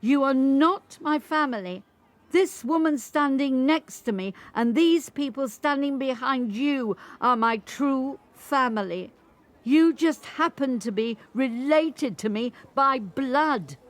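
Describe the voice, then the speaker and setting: An older woman voicing a proud, defiant eighteen-year-old trans woman in a clear, firm, declamatory dramatic monologue. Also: sits high, slow pace, pitched above the performer's own voice. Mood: proud, resolute. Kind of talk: dramatic monologue, quoted speech.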